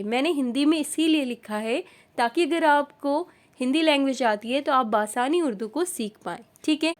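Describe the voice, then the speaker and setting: A woman teaching a beginner Urdu lesson over an on-screen chart, patiently repeating each point and checking in often. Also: high voice.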